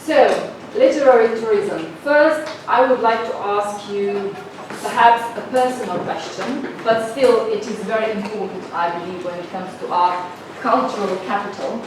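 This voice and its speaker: A woman from northern Slovenia gives a seminar lecture, pausing often on filler sounds and inviting the audience to answer her questions. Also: mid-range voice. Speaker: guest lecturer. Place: lecture room. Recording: very echoey room, mic far off, noisy.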